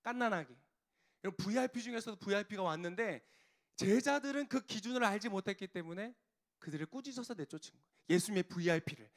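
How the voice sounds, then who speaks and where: A male pastor delivers a sermon in a fairly high voice. He keeps turning to the congregation with questions and then answers them himself. His tone is direct and conversational. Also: animated, quick pace.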